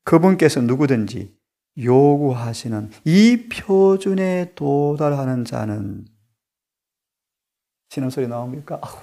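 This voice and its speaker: A man preaching a sermon, emphatic and full of rhetorical questions to the congregation, swinging between loud stressed lines and hushed asides. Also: medium pitch, lively intonation, slow, vocal fry. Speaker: pastor and Bible study director.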